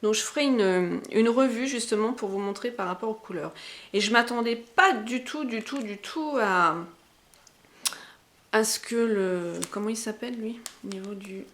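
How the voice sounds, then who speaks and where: A woman's voice: a little high, moderate pace, fairly bright tone. A woman with a Berrichon accent from the Berry region of France, chatting casually as a beauty vlogger showing makeup she bought. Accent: Berrichon French. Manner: chatty, enthusiastic, slangy.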